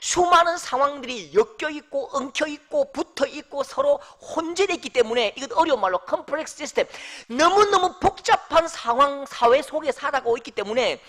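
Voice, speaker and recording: A middle-aged male pastor with a Gyeongsang Korean accent, preaching an expository sermon in an animated way that swings between hushed asides and loud exclamations. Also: extremely high pitch, a little fast, few pauses.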